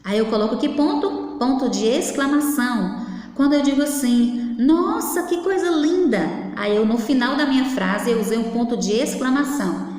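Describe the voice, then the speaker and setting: Woman teacher talking to little kids, sing-songy and patient, kinda high voice, lots of room echo and reverb. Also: normal speed, darkish tone. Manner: patient, sing-song teaching tone with many "olha só" prompts. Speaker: primary school teacher. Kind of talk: recorded remote class for young children.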